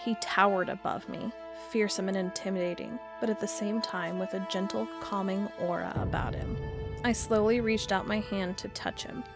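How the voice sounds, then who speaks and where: A woman playing an earnest cryptid blogger, telling a first-person account in a measured storytelling way for an audio drama. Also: mid-range voice, fairly even intonation, over music, lightly acted. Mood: awed. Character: earnest female cryptid blogger, awed amateur monster hunter.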